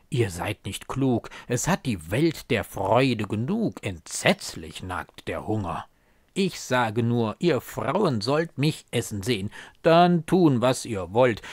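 A man reciting a ballad while voicing a bold, hungry young mercenary who speaks in a loud, hearty way. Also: medium pitch, no room sound, full character voice.

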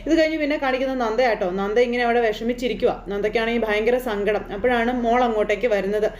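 Casting: a brisk, fairly high-voiced woman doing a loose, chatty serial recap in an echoey room. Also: a little hiss or hum. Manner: chatty, loose storytelling with many fillers and tag words. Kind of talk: casual retelling of a TV serial episode.

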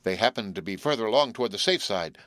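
A man voicing an eager, excitable teenage boy who talks breathlessly. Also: lowish voice, fast talker, no room sound. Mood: excited.

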